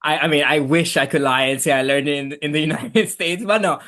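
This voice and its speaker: A man's voice: fairly high pitch, a little fast, fairly bright tone. A young man from Malaysia with a Malaysian accent, a guest on an interview podcast, talking easygoing and chatty with many fillers. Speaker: guest, immigration attorney. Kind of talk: casual interview.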